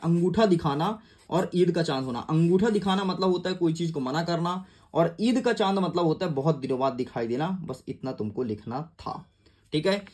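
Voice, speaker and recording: A man's voice: high-pitched, a little mellow, slightly rough. A young man teaching an exam-prep lesson in a casual, chatty way, talking to his students like friends. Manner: chatty, calls students "yaar" and "bhai".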